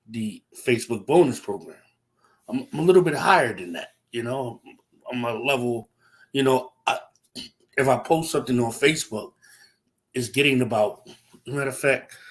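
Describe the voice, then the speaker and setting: A man's voice: medium pitch, a bit bright. A young adult man with a stuffy, congested voice, hosting a casual livestream chat and rambling with lots of fillers and restarts. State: congested from a cold. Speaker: livestream host.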